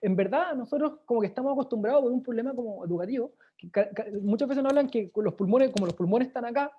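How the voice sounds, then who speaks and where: A woman's voice: on the high side, fast, slightly rough. Chilean woman teaching a voice workshop. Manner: demonstrative, checks in with listeners often. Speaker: workshop presenter. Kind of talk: lively online workshop teaching. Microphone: video call. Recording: dull lo-fi video call audio.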